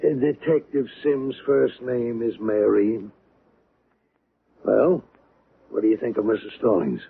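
An actor playing a wry, skeptical police sergeant in a radio drama. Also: male voice, mid-range voice, measured pace, creaky, breathy edge. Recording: muffled, noisy old radio recording.

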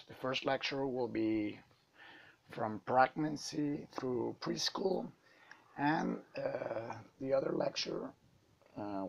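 A man with a hoarse voice from a flu, giving a halting lecture over slides to medical students. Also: medium pitch, a little hiss or hum. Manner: halting, many uh fillers. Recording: dull lo-fi.

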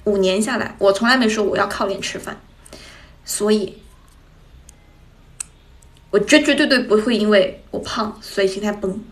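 A woman's voice: mid-range voice, moderate pace, pauses often. A young woman hosting a casual livestream chat, telling stories with lots of laughing and sighing into a phone mic. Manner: lively storytelling, frequent laughing and sighing. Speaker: idol livestream host.

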